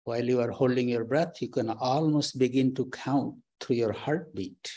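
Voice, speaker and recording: A man leading a guided breathing meditation, giving slow, calm, soft instructions with long pauses. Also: medium pitch, husky. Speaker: meditation teacher. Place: temple or meditation hall.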